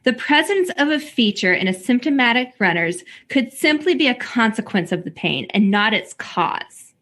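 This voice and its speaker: A woman's voice: fairly high pitch, sing-song, moderate pace, fairly bright tone. A woman hosting an interview, putting questions to guests in a conversational professional style. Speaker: interviewer, host.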